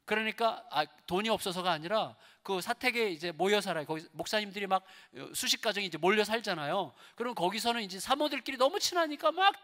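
Middle-aged male pastor, sermon delivery, high and lively, questions the pews often, long church-hall reverb. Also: quick pace, hardly any pauses. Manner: animated, asks the congregation many rhetorical questions, swings between soft and loud. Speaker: guest pastor preaching at a revival service. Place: church sanctuary.

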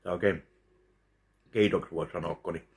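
A man in his thirties giving a slow, deadpan review of a meal while eating at home in his kitchen. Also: sits low, gravelly. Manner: slow, deadpan, pauses between bites. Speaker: food vlogger. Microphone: webcam at close range.

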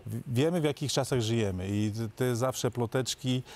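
A man in his forties, a football coach guest in a TV studio discussion, relaxed and self-deprecating. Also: medium pitch, normal speed. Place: large TV studio.

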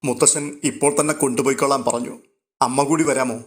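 A man's voice: medium pitch, fairly even intonation, fairly quick, natural voice. Man reading as an earnest young woman. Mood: pleading. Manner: earnest, persuasive. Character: caring young woman pleading gently.

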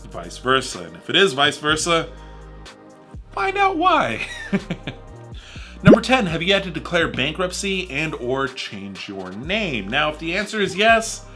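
Male vlogger, 30s, bright lively delivery with big pitch swings, jokey; faint music bed. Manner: animated, jokey, gestures widely with his hands. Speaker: home renovation YouTuber. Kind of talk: scripted advice talk to camera. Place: small home studio room with posters.

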